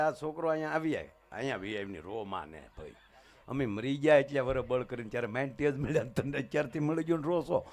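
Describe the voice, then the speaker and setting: A man telling comic stories at a live folk show, acting out each character. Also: medium pitch. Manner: animated, acts out every character in the story. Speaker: folk comedian storyteller. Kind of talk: live folk comedy storytelling.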